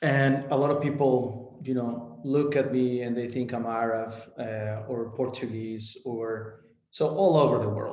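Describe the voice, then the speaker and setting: Audible room echo surrounds a man speaking at a fairly slow pace and medium pitch. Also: ordinary pitch variation. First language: Spanish. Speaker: psychiatric researcher and clinician. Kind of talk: lecture. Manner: halting.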